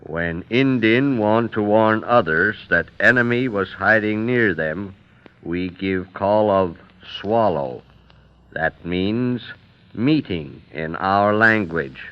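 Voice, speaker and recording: Solemn Native American witness: low, resonant, deliberate broken English, vintage radio drama with dulled sound. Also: male voice, animated, clear, resonant tone. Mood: solemn, explaining. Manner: deliberate, terse broken English without articles. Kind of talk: old radio drama acting. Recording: dull vintage radio recording.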